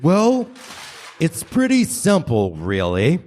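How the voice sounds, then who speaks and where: A man's voice: on the high side, wildly swooping pitch, slow pace, darkish tone, a little hiss or hum, heavily acted. A man playing an earnest, urgent grown son from the future in a staged radio play parody, declamatory in his explanations. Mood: earnest explaining.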